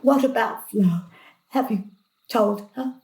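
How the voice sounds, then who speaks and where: Anxious older grandmother in a stage drama: roomy sound, fairly high voice, forgetful, caring. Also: takes it slowly, warm tone. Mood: gentle, worried. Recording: roomy, distant from the mic.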